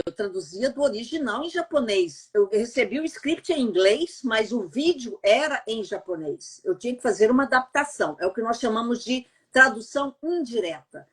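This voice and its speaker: Husky middle-aged Brazilian woman, chatty. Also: mid-range voice. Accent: neutral Brazilian Portuguese, no regional accent. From Goiás, Brazil. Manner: chatty, frequent "né?" tags, laughs easily. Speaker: voice actress and translator, podcast guest. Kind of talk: casual interview storytelling. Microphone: remote call.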